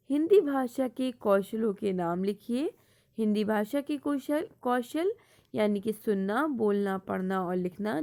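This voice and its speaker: Slow-paced woman teaching a lesson. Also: a little high, a little mellow. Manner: reads out questions then explains answers; mixes English words into Hindi. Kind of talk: exam-prep lesson.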